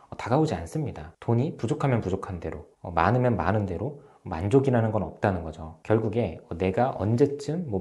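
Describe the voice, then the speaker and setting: A man in his thirties talks through relationship advice in a low, mellow voice. He keeps a calm, steady explaining pace and often stops on small filler sounds between phrases. It is the easy, even delivery of a counselor addressing his viewers. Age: 30s. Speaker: relationship counselor and channel host. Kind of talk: advice talk to camera.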